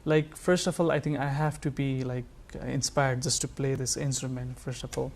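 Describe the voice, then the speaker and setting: A man's voice: mid-range voice, fairly even intonation. Hesitant Nepali-accented man chatting. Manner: hesitant, halting delivery full of like and you know. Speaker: folk musician, sarangi player, guest; music educator. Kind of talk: casual interview talk.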